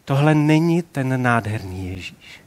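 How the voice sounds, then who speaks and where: A man in his forties preaching a sermon in a relaxed, conversational way, asking rhetorical questions. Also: mid-range voice.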